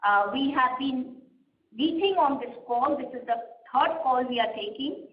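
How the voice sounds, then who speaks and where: A woman, a company executive answering questions on an earnings call in a measured, explanatory way, pausing often with "uh". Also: high-pitched. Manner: measured, explanatory, frequent "uh" pauses. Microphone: conference call line. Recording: roomy, slightly muffled conference line.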